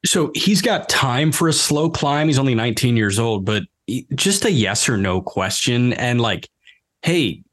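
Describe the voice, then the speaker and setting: A man co-hosting a podcast in casual chat, asking his partner quick questions. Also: mid-range voice, expressive, fairly bright tone. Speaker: podcast co-host, interviewer.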